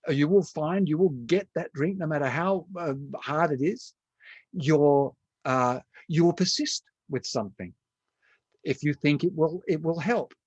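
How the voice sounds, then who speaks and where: A man's voice: on the high side, measured pace, slightly rough, no echo, muffled recording. Man lecturing in a dry, close voice. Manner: conversational, addresses listeners by name. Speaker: conference speaker. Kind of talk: online conference lecture.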